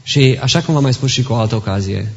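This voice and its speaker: Earnestly exhorting his congregation and weaving in stories, this pastor delivers a sermon in a church hall full of long reverb. His mid-range voice is creaky. The highs are cut off and there's slight background noise.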